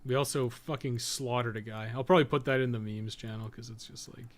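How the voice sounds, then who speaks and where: A man's voice: medium pitch, fairly even intonation, brisk. A man giving casual, profane live game commentary, chatting informally and often muttering to himself as he plays. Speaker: gaming podcast co-host.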